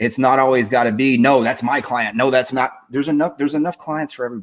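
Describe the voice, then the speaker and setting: Talking at a very fast pace in a strong Eastern Kentucky accent, a man with a medium-pitched voice keeps his intonation fairly even. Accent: thick Eastern Kentucky. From US South, Eastern Kentucky (Mount Sterling). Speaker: agency owner. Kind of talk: interview. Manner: halting, many fillers and repeats.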